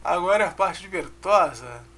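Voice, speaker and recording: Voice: medium pitch, animated, moderate pace, a bit bright. A music teacher with a Brazilian Portuguese accent, giving a casual online lesson, counting beats aloud and checking in with the class.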